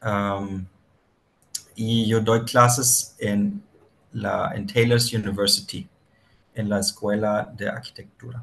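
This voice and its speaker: At a very slow pace, a man talks with long, frequent pauses. His medium-pitched voice stays monotone and flat. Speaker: architecture lecturer. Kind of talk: lecture. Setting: video call. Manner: halting, many fillers.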